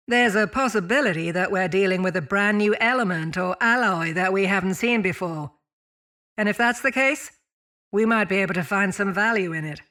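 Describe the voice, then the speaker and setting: An actress playing a brisk female mining chief and officer on a spaceship, giving formal log reports in a sci-fi audio drama. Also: medium pitch, bright, forceful tone, close to an everyday voice. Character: brisk woman mining chief turned acting captain of spaceship. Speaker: voice actor.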